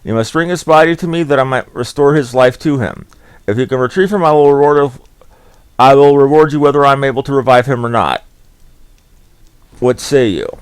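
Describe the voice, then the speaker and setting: Ein Mann liest einen ernsten Hohepriester. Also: male voice, medium pitch, fairly quick, clean tone, dry recording, close to an everyday voice. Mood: earnest. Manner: formal, earnest. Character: solemn middle-aged male lord priest.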